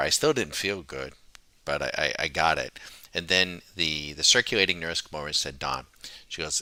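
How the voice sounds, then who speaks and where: Speaking with a Boston accent, a man has a bright, sharp tone with vocal fry. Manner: casual storyteller, halting with fillers.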